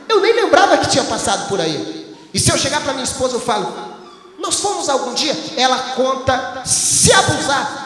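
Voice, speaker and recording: High-voiced pastor guy preaching, tells stories animatedly, long hall reverb, faint hum behind. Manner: animated storytelling, acts out his wife's voice. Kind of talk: sermon. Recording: echoey hall, faint ambience.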